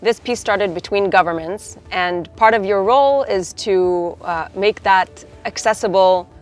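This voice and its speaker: A woman's voice: mid-range voice, measured pace, soft background music. A woman interviewing a guest for a news outlet, with a poised scripted introduction and direct questions.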